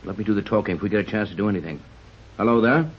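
An actor playing a level-headed male sea captain who takes charge in a calm, reassuring way, in a 1930s radio drama. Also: lowish voice, racing, slight background noise, lightly acted. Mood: steady. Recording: dull old 1930s radio recording.

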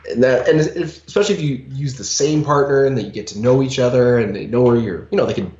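A man's voice: medium pitch, fast talker, a little mellow. Man, forties, emphatic casual chat, headset mic, dull echoey call audio. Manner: emphatic, many "you know" fillers. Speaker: podcast co-host. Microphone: headset on a video call.

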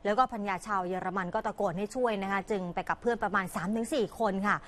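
A woman news reporter narrating a crime story in a brisk, polite news delivery. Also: medium pitch, steady tone.

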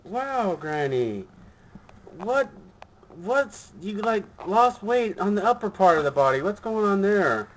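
A man voicing a sassy, deadpan young Red Riding Hood in an improvised puppet comedy skit. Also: sits high, slow, voice pushed up, full character voice. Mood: innocent, skeptical. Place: small room at home. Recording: noisy home camera audio.

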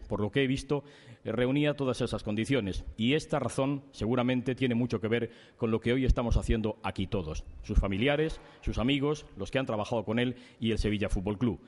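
A middle-aged man giving a formal ceremonial speech at a podium microphone, measured and solemn, building his points in lists of phrases. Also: mid-range voice, a little mellow. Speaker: speaker at a club awards ceremony. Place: large indoor reception hall. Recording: reverberant hall via PA.

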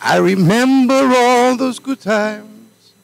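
A man in his forties singing a slow, gentle ballad at an outdoor graveside service, into a stand mic. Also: very high voice, creaky, dry recording. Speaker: singer with guitar at a funeral. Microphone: stand mic close to the singer. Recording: live outdoor stream with guitar. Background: acoustic guitar.

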